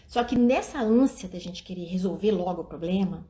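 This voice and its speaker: A middle-aged woman, an early childhood education speaker, talks at a moderate pace in a lowish, mellow, expressive voice during a nighttime outdoor live stream on raising children. Speaking directly to viewers, she plays out the lines of both parents and kids.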